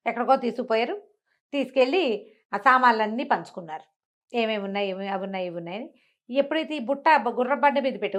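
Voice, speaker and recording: A woman telling a story in an animated, conversational way, as an informal oral storyteller. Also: sits high. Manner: conversational, acts out characters' dialogue.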